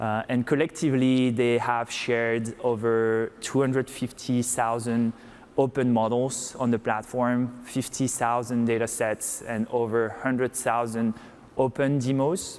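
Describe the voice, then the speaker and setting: A man with a French accent talks at a fairly slow pace in a monotone, flat intonation. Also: medium pitch for a man, very even loudness. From France. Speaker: tech startup co-founder. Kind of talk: conference stage interview.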